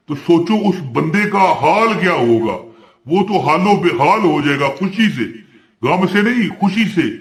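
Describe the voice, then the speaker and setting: Man preaching in a roomy echo. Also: a little high. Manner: chants Quranic verses in a rising tone between plain explanation; asks questions and answers himself. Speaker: Islamic preacher. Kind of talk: devotional talk on a prayer practice.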